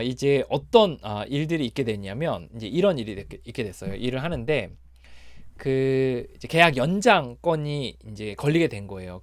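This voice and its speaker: A man giving a personal testimony on recovery, speaking haltingly with many fillers and restarts. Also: mid-range voice, no echo, clean studio sound.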